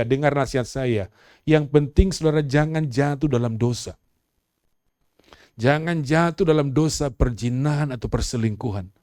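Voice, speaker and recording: A middle-aged man preaching a sermon as pastor, moving from quiet storytelling to loud, rousing exhortation and calling on the congregation to respond. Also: medium pitch, dry recording, studio quality.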